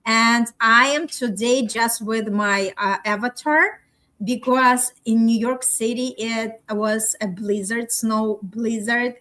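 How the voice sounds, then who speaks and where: Bright, high-voiced woman hosting, upbeat. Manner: upbeat, effusive. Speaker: host. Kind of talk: unscripted live talk show hosting.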